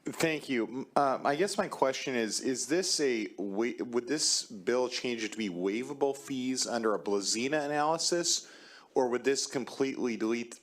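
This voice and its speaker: A man on a legislative committee asking a careful, halting legal question. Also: medium pitch, expressive. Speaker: committee member.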